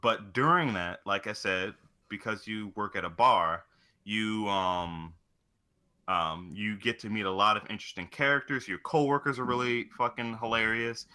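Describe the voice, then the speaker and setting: Bright-voiced, sweary man chatting about games. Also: on the low side, normal speed, clear, resonant tone. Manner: rambling, heavy swearing. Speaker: podcast co-host. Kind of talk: casual chat about video games.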